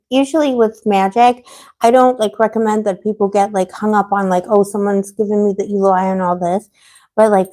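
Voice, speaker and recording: A woman hosting a tarot livestream in casual, rambling chat, full of fillers and restarts, gossipy and quick to laugh, with a voice that has been fading. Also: fairly high pitch, a little mellow. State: losing her voice. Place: living on a Mediterranean island.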